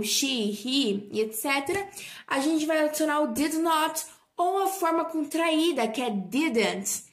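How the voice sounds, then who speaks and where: A Portuguese-speaking woman teaching English grammar in an online lesson, patient and repetitive, often correcting her own slips. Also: high voice. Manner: patient, repeats points and asks for repetition; frequent slips and self-corrections.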